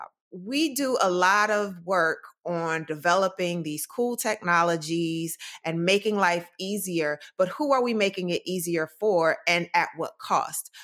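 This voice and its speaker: A woman with an American accent speaks at a fairly slow pace in an unremarkable speaking voice, her medium pitch rising and falling in an ordinary way, on a very clean recording with a silent background. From US South, Durham, North Carolina. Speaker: computer science professor. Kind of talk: interview.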